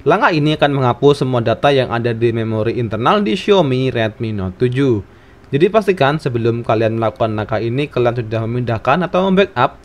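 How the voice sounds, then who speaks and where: A man narrating a scripted tech tutorial, giving instructions phrase by phrase. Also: mid-range voice.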